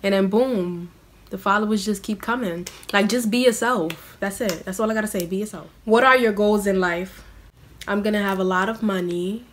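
A young American woman talks straight to a close camera in a small room, answering viewer questions. Her delivery is blunt and casual, loaded with slang and "like" fillers, and never sounds rehearsed. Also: medium pitch. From United States. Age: young adult. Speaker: vlogger.

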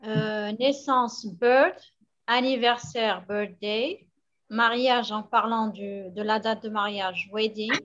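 Slow woman student reciting words over a call. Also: mid-range voice, steady tone, a bit bright. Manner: slow, hesitant listing of words. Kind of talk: reciting vocabulary in class. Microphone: online call. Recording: dull lo-fi call audio.

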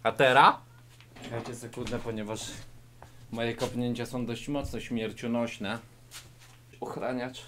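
A man giving a comedic mock martial-arts lesson to camera, mock-serious and lecturing the viewer directly, swinging between loud and quiet delivery, in a low-ceilinged indoor room. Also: steady tone, measured pace, long pauses, background noise. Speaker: YouTuber.

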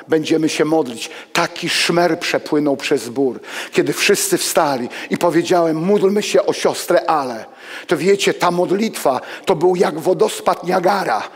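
An older man preaching in a church hall, his voice pitched high for a man and ringing with a long reverb. He moves among the pews as he talks, rising to loud exclamations and then dropping to hushed asides. He wears a headset mic. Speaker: pastor. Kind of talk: sermon.

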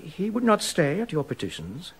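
A loyal counsellor in an audio drama, his husky voice sitting a little high and moving lively. He speaks deferentially, pleading carefully with his king. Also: normal speed, full character voice. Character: loyal, anxious royal counsellor, grown man. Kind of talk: radio drama acting.

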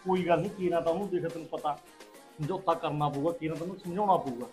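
A man's voice: on the high side, quick pace, a little mellow, soft background music, lightly acted. A man playing a remarried husband who soothes his first wife with promises. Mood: soothing. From Punjab.

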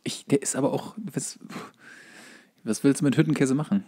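A man's voice: medium pitch, normal speed, mellow, slightly rough. A man in casual, comedic conversation as a podcast co-host, with dry banter.

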